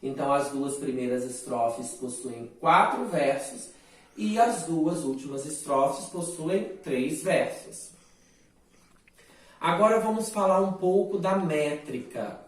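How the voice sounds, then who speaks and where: A man with a Brazilian Portuguese accent, teaching a literature lesson in a slow, explanatory way and often checking in with "né" and "tá". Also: a little high, lively intonation, recorded from a distance. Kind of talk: recorded online class lecture. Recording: roomy echo, voice set back from the mic.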